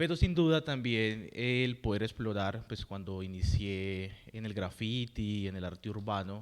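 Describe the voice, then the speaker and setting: In a normal speaking voice, a man talks at a fairly slow pace with a fairly low pitch, ordinary pitch variation and hardly any pauses, on a very clean recording with a silent background. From Colombia, Bucaramanga then Medellín from age 14. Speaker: graffiti artist. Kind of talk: panel discussion.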